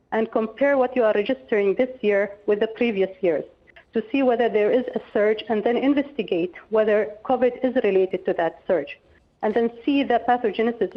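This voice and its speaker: A woman gives measured, reassuring medical explanations as an expert guest in a telephone interview. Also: medium pitch. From Oman. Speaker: infectious disease consultant, interviewed guest. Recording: dull, band-limited telephone line.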